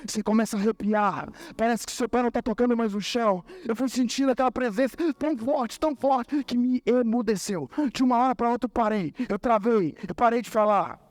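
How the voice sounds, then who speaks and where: A man's voice: very high voice, a little fast, few pauses. A male preacher tells a testimony in a sermon, emotional and acting out each voice. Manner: emotional storyteller, acts out every voice.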